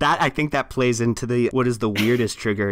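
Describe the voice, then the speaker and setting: A man speaks in a plain, everyday voice. He keeps a fairly quick pace and fairly even intonation. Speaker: YouTuber trying ASMR. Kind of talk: casual interview questions.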